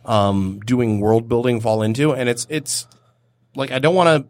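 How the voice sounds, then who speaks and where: A man's voice: medium pitch, moderate pace, no room sound. A man co-hosting a podcast in a studio, chatting casually and rambling a little about building a tabletop game world. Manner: relaxed, rambling with restarts. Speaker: podcast co-host leading the session.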